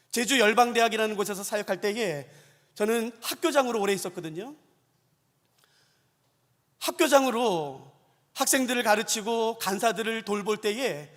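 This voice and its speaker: A man's voice: very high voice, fairly bright tone. A middle-aged man, a pastor, preaching a sermon in a church sanctuary, telling stories and putting questions to the congregation. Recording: long church-hall reverb.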